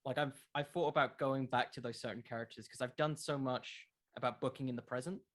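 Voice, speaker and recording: A man's voice: medium pitch, fairly even intonation, fairly quick, a bit bright. Casual man thinking aloud in an interview. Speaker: podcast creator being interviewed.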